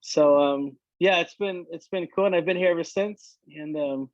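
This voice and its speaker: A fairly high-pitched man with no room sound and clipped highs talks casually about his life. The guest, a worship leader from Michigan in his late thirties, keeps restarting and filling pauses.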